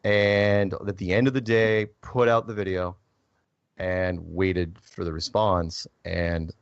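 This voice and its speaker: A man's voice: sits low, takes it slowly, smooth, dry recording. A man guest in a casual conversation, telling rambling anecdotes and acting out what people said. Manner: rambling anecdotes with animated quoted voices. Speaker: podcast guest. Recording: dull dry recording.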